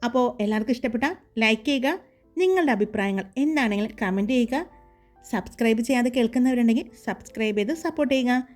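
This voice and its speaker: A woman narrating a romantic story in a slow, measured storytelling voice. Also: on the high side, darkish tone, faint music behind.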